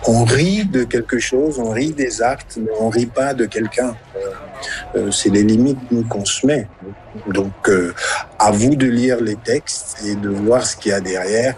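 A man's voice: mid-range voice, unhurried, darkish tone. A comedian being interviewed, explaining his view and listing examples. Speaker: comedian guest. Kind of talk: interview talk.

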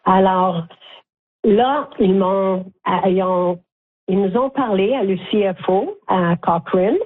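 A woman's voice: medium pitch, slow. Older franco-ontarian lady on the phone, tinny line, talks with her hands kinda, says ok a lot. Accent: Franco-Ontarian French. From Northern Ontario, Canada. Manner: warm, animated storytelling with frequent "ok?". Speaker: guest, community volunteer. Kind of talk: phone interview.

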